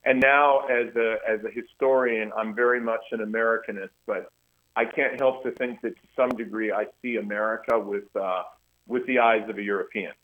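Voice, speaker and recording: A man's voice: on the low side, fairly even intonation. Man on a tinny phone line. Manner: earnest, halting with many restarts. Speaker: guest historian. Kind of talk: radio interview by phone.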